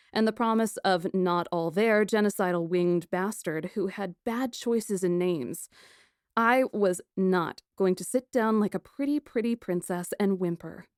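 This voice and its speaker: A woman playing a plucky, sarcastic kidnapped young woman who narrates her ordeal in a first-person audiobook, wry and expressive. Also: medium pitch, clear, resonant tone, dry recording, studio quality, lightly acted.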